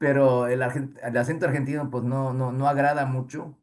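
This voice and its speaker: Against a quiet background, the speaker goes at a moderate pace. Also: man. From Argentina, Korean family. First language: Korean (speaking Spanish). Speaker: pastor. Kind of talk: video call interview. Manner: hesitant, many fillers.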